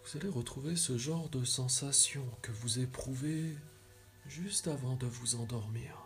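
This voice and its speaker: Guy doing guided yoga relaxation, really slow n soft, pauses a lot, bit of music behind. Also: mid-range voice. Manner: soothing, measured instructions with long pauses.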